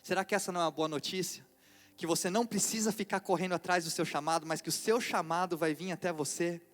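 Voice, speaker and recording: A Brazilian pastor with a fairly high voice for a man preaches in an easy, conversational way. He keeps turning questions back to his congregation. His voice rings with the long reverb of a theater hall. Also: steady tone, quick pace, a bit bright. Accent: Brazilian Portuguese. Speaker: lead pastor. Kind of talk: sermon.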